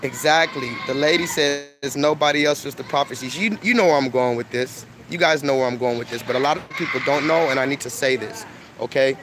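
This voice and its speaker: A man's voice: mid-range voice, brisk. A young man lecturing emphatically to his online audience on a phone, repeating his points. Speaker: online video host. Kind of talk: preachy casual monologue. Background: street noise, crying children.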